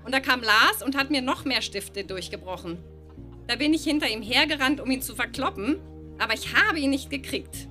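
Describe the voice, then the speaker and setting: A woman's voice: high voice, expressive, normal speed, sharp tone, soft background music. A woman reading her childhood diary aloud at a live show, often laughing through the text.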